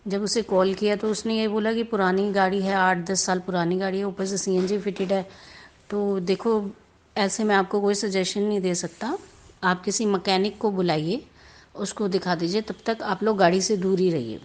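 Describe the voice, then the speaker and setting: A woman's voice: medium pitch, steady tone, normal speed. A woman sharing a devotional testimony in a casual, chatty storytelling way, slipping English words into her Hindi and often restarting her sentences.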